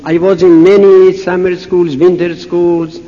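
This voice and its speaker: An older man with a Persian accent telling a humorous story at a conference, acting out the dialogue in an unhurried way. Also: high-pitched, little pitch movement, mellow. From Iran. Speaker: speaker at a conference. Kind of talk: storytelling talk. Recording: muffled hall recording.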